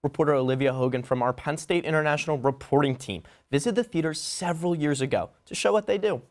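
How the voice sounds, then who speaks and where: A man anchoring a student news broadcast, reading from script with steady delivery. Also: on the high side, quick pace.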